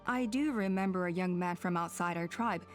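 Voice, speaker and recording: A woman playing a composed tribal elder in a fantasy game, measured and thoughtful. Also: lowish voice, soft background music, close to an everyday voice. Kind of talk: video game dialogue acting.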